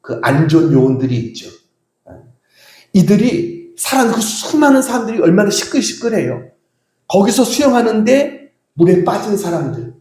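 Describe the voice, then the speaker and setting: A man's voice: high voice, warm tone, reverberant. A male pastor giving an earnest sermon, raising his voice as he repeats cries for mercy. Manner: earnest preaching, quoting cries with rising emphasis.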